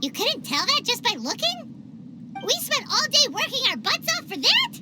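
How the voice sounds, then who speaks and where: A woman voicing a tiny floating female fairy companion, with a high, squeaky, childlike voice, excitable and blunt, in game voice acting. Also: heavy background noise, full character voice. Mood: exasperated. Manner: excitable, blunt, quick to complain. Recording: game audio with loud music behind.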